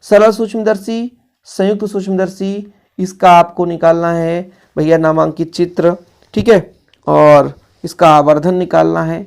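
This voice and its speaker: A man's voice: high-pitched, fairly even intonation, measured pace, creaky, a little mellow, smooth. A male physics teacher, going over exam revision questions in a casual, brotherly tone and talking straight to his students.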